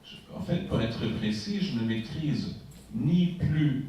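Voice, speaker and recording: A man's voice: mid-range voice, lively intonation, slow pace, dark tone, a little hiss or hum. Reflective man, distant echoey hall. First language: German. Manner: reflective, searching for words. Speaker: writer on a panel. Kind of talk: panel discussion. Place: conference hall.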